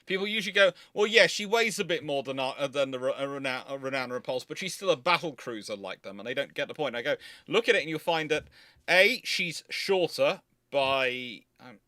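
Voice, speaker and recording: A man's voice: mid-range voice, animated, a little fast, sharp tone, dry recording, clean studio sound. A man hosting a livestream, chatting casually as he explains and answers questions in an emphatic, rambling way. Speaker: host of a naval history question livestream.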